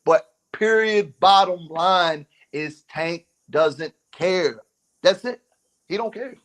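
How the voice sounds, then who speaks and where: Guy guesting on a boxing show, pretty high voice, just chatting. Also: slow pace, a bit bright. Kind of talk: casual sports chat.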